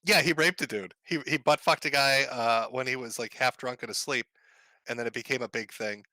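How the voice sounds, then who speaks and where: Bright-voiced man cracking crude jokes. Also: mid-range voice, fairly quick, no echo. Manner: laughing, crude, question-asking. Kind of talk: casual chat.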